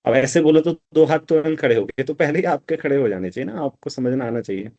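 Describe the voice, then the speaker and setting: A man teaches math live online in Hindi and English, going step by step and regularly checking that students follow along. His mid-range voice is warm and fast, with lively intonation, though the audio is dull.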